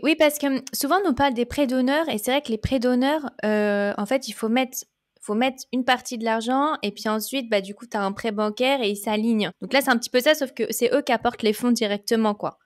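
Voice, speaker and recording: Brief: relaxed woman interviewer, slightly high voice, plain conversational tone. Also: brisk. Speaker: podcast host.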